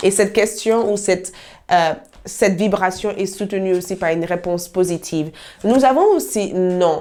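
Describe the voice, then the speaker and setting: Her dark, mellow voice sits at medium pitch as this woman speaks at a moderate pace with fairly even intonation. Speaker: tarot card reader. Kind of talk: tarot reading.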